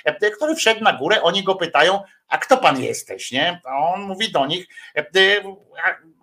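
Kpiący vlogger, gada potocznie, ciągle się zacina, głos dość wysoki. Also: male voice, high-pitched, animated, bright, forceful tone. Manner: mocking, colloquial, hesitant with frequent "e" pauses. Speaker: vlog host. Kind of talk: casual political commentary.

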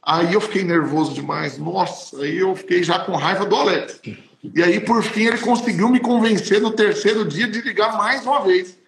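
A man's voice: high-pitched, normal speed, gravelly, fairly bright tone, a little hiss or hum. A man, a pastor, telling a personal testimony in an emotional, emphatic way. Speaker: pastor and podcast host. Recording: roomy echo.

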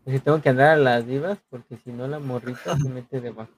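A man with a Mexican accent hosting a casual chat in slangy, colloquial street talk, halting and often repeating himself. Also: mid-range voice, steady tone, husky. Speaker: podcast host.

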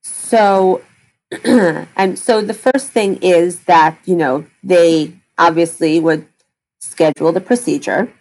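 Woman, gastroenterologist, somewhat low voice, explanatory, lots of fillers. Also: slow pace, a little mellow, rough recording. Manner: explanatory, many fillers and restarts. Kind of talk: medical interview answers.

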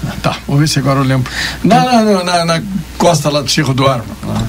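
A man's voice: a little high, sing-song, brisk, gravelly, slight background noise. A middle-aged man with a gaúcho accent bantering on a radio show in a chatty, blunt, colloquial way. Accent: Gaúcho Brazilian Portuguese.

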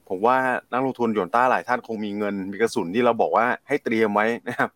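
A man appearing as an expert guest on a market talk show, explaining in a brisk, friendly way. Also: on the low side, no echo.

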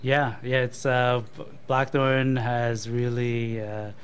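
Modest male interviewee with a mid-pitched voice, hesitant and full of fillers, faint noise behind. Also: completely flat delivery. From born in Thailand to Cambodian parents, raised in Canada. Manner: hesitant, many ums and uhs, thoughtful pauses. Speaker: marketing manager and guest. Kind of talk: casual interview answers.

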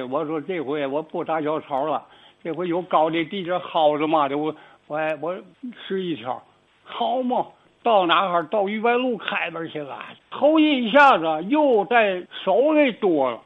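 Raspy old guy spinning a folksy yarn, high gravelly voice, tinny radio sound. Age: older. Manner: folksy, animated, full of asides to the listener. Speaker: storyteller. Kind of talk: telling a life story. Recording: tinny phone-like radio recording.

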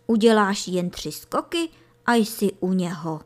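Woman reading a brisk rabbit dad, matter-of-fact, bit impatient, storybook. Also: mid-range voice, expressive, darkish tone, lightly acted. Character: practical male rabbit father, brisk and growing impatient.

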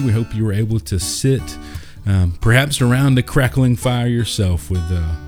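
A man narrating as a podcast host and storyteller, with an earnest, unhurried delivery. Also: lowish voice, warm tone. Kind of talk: scripted story narration and informal podcast sign-off.

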